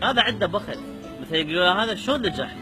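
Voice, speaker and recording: A man's voice: high voice, very animated, rapid-fire. A man with an Iraqi Arabic accent in casual, playful conversation, teasing as he hosts a word quiz. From Iraq. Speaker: host quizzing a guest on Iraqi slang. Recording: music in the background. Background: music.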